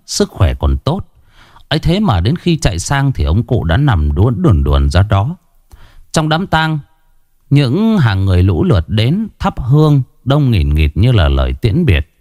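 A man narrating a horror story in a dramatic, expressive storytelling style. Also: on the low side, no room sound, clean studio sound.

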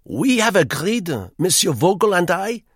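A man's voice: sits high, lively intonation, a little slow, husky, no room sound, clean studio sound, pitched above the performer's own voice, exaggerated voice. A man voicing an insistent, fussy bearded French businessman who urges action emphatically.

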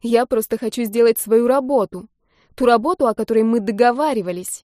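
A stubborn, hurt young woman pleads, close to tears, in a mellow, rounded tone, as a narrator reads her lines. The sound is dry and close, with no room around it. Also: high-pitched, expressive, moderate pace, no echo, pitched above the performer's own voice. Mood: pleading.

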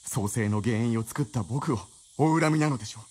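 妻である女性を厳しく問い詰める青年を演じる男性俳優。ラジオドラマの芝居。. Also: male voice, medium pitch, brisk, a little hiss or hum, natural voice. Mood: indignant. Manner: agitated, pressing questions. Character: earnest young male writer's companion, indignant. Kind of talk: radio drama acting.

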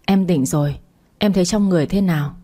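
A young husband, sorry to his wife and curt with the other woman, read by a woman storyteller. her own low, dark voice, hardly changed for him. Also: fast talker, lightly acted. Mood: remorseful. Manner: apologetic, curt when angry. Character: remorseful then angry young husband.

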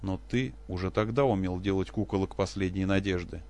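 A man voicing a grieving, vengeful woman who speaks in an even, cutting voice. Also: sits low, brisk. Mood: cold.

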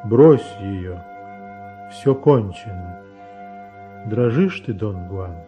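A slow, dull-sounding stone avenger. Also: male voice, lowish voice, lively intonation, faint music behind. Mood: ominous, commanding. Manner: slow, solemn, commanding. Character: stone statue ghost, stern, vengeful, commanding male.

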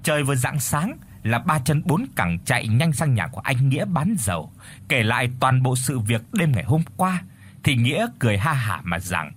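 Storyteller, male, husky voice, lively swinging pitch, dramatic telling. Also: normal speed. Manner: expressive, dramatic. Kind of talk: spoken folk tale narration.

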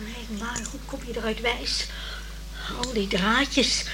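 A woman's voice: fairly high pitch, steady tone, takes it slowly, crowd noise. An actress playing a flustered, well-to-do older lady in a Dutch radio play, fretting and pleading in stammered repetitions. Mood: worried. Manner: fretful, stammering repetitions, exclaiming.

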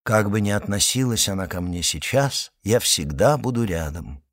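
A man's voice: lowish voice, animated, normal speed, a bit bright. A man voicing a gloomy, lovesick man who speaks in mournful, lyrical phrases.

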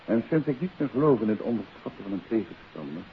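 A calm, self-assured gentleman detective in an old radio mystery. His low voice moves expressively as he speaks with deliberate, theatrical authority. The recording is muffled, with a faint hiss. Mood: grave, confiding. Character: calm, authoritative male detective, devoted husband. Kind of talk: 1950s Dutch radio drama acting.

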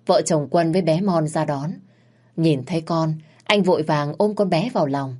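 A woman narrating a family drama in a gentle, sympathetic storytelling manner. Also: low voice, moderate pace. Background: faint music.

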